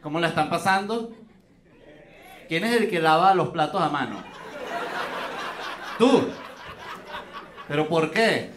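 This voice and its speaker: On a theater stage, a man in his forties with a Venezuelan accent does crowd-work stand-up, playfully teasing audience members. His slightly high voice is expressive and slow, with frequent pauses, picked up from a distance through a handheld mic. The sound is roomy, with audience noise.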